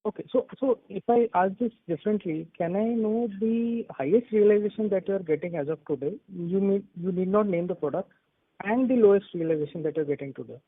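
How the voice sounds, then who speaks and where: A man's voice: sits high, fairly quick, no echo. A man asking questions as an analyst on a conference call, polite and somewhat hesitant. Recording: narrow dry phone line.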